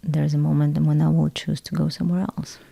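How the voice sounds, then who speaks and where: A woman from Lithuania talking as a podcast guest, halting and restarting her phrases, sometimes sinking to a near-whisper. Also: deep voice, little pitch movement, vocal fry, mellow. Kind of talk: casual conversation.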